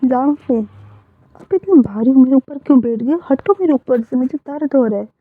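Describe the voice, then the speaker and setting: A woman's voice: high-pitched, normal speed, no room sound, phone-quality sound. A woman voicing a playful, teasing young man in a storybook romance, protesting in a whiny, giggly way.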